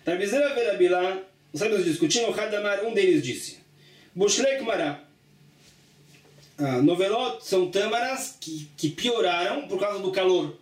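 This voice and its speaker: High-voiced man teaching from afar, echoing. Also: animated, normal speed. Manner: reads text aloud, then explains it plainly with repetitions. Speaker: Talmud teacher. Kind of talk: religious study lesson. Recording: echoey room, distant mic.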